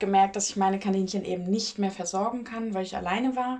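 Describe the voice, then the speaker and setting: At a fairly quick pace, a woman speaks with medium pitch. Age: 30s. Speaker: YouTuber and rabbit keeper. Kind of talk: interview.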